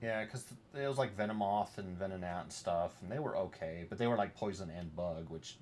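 A man talks at a fairly quick pace with a very deep, low pitch. Light background noise is present. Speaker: streamer and miniature painter. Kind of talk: casual chat. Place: home room.

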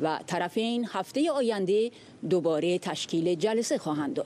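Her tone is dark and mellow as this woman talks at a moderate pace with lively intonation. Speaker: narrator reading statement. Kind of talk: reading aloud. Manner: formal.

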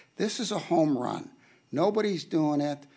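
A man with an American accent at a fairly slow pace. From US Midwest. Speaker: public commenter, housing advocate; public commenter. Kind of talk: public comment. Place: hall. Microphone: podium.

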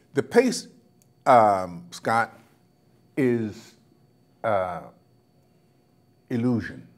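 A man talks at a very slow pace and medium pitch, with ordinary pitch variation and long, frequent pauses. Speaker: film actor and narrator. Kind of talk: interview answer. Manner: relaxed, unhurried. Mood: easygoing, reflective. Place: home room. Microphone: lapel.

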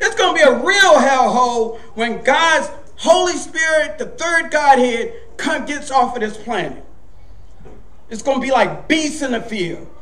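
Speaking at a fairly slow pace, a man uses an extremely high voice with an animated tone and lively intonation. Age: 60s. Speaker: evangelist and prison chaplain; evangelist preacher. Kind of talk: sermon. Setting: church. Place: church. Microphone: phone near.

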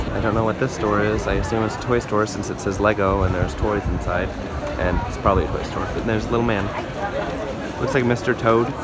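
A man races through his words at a very fast pace against loud background noise. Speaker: travel vlogger filming. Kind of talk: casual vlog commentary. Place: street. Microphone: phone near.

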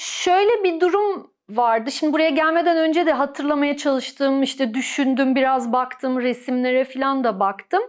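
At a moderate pace and hardly any pauses, a woman speaks with a high pitch, ordinary pitch variation and very even loudness. The background is quiet. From Germany, then Eskişehir, Turkey; Germany. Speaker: oral history narrator, former student activist; oral history narrator. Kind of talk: oral history interview. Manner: hesitant, many fillers. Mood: calm, reflective. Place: studio. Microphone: lapel.

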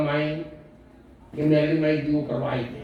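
Room echo is audible around this man's voice. There is also noticeable noise behind him. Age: 70s. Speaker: religious preacher. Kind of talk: sermon.

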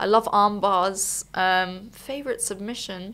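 Very slowly, a woman speaks with ordinary pitch variation. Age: 20s. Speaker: amateur MMA fighter. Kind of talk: casual interview. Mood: relaxed, smiling. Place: home room. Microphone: studio mic.

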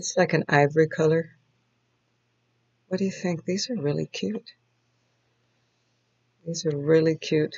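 A soft-spoken, somewhat breathy woman with a fairly low pitch and ordinary pitch variation, at a moderate pace with long, frequent pauses, over a quiet background. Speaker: ASMR content creator. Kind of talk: ASMR shoe collection show-and-tell, casual talk to camera. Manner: soft-spoken, friendly. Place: home room. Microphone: webcam.

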